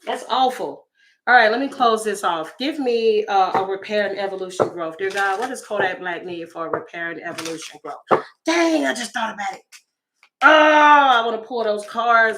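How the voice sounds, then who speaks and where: A tarot reader with a slightly raspy, medium-pitched, somewhat bright voice chats through a reading for her viewers at normal speed, tossing in exclamations and asides.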